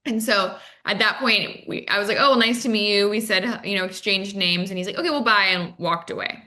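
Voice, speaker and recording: A woman's voice: mid-range voice, a little fast, sharp tone. Casual woman giving coaching advice, mid-range voice. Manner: casual explainer, acting out little quoted exchanges. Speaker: dating coach, podcast guest. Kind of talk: conversational advice and anecdotes.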